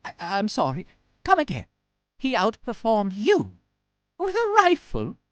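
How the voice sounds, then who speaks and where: A woman's voice: fairly high pitch, wildly swooping pitch, measured pace, no echo, highs cut off. Woman playing a prim, wildly swooping inquisitive confidant. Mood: astonished. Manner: proper, theatrical, exclamatory. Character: prim, inquisitive, old-fashioned confidant, easily astonished. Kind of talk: dramatic audio drama dialogue.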